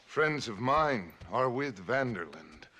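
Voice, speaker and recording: An actor playing a stoic, dignified Native American guide in a Western video game, speaking in measured, terse phrases. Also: male voice, mid-range voice, big pitch swings, sharp tone, heavily acted. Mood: grave, proud.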